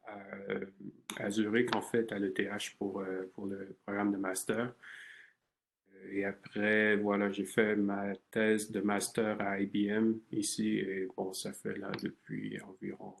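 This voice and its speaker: A man from Canada in his thirties answers an interviewer's questions about his research. His voice sits low and gravelly, with a flat, even pitch. He talks hesitantly, stopping often to restart his sentences. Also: poor audio. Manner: hesitant, many fillers and restarts. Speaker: research scientist guest.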